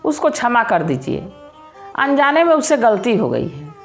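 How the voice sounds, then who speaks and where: A woman voicing a humble, devout young village woman, speaking softly and pleadingly. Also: on the high side, sing-song, moderate pace, soft background music.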